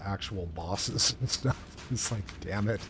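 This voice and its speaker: A man talks at a moderate pace in a fairly low pitch, with ordinary pitch variation. Noticeable background noise sits behind him. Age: 60s. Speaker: video game streamer. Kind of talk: casual gameplay commentary. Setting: live stream. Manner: casual with many filler words.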